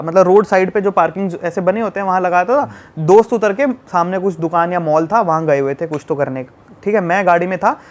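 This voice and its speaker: Young male podcast guest, high-pitched, lively storyteller who acts out scenes. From Delhi, India. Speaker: travel YouTuber guest.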